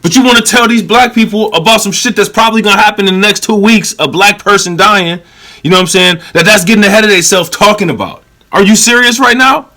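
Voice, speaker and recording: A man's voice: sits high, quick pace, sharp tone. A man hosting a reaction video, cutting into a clip with blunt, profane and sarcastic commentary.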